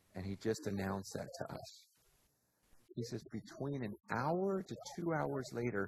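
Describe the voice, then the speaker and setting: This man speaks at a fairly slow pace with an American accent, his medium-pitched, somewhat breathy voice making very wide pitch swings. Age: 40s. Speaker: pastor. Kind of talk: sermon. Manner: animated.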